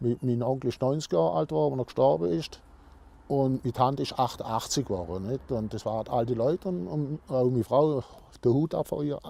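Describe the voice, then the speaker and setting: Lively in intonation and fairly quick in pace, a man speaks at a medium pitch with a dark, mellow tone. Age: 70s. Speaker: retired farmer. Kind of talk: interview. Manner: halting, with hesitations.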